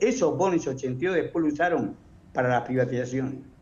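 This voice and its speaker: A man is speaking at a very fast pace. His pitch variation is ordinary. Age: 70s. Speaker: economic analyst. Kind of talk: TV panel discussion. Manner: animated.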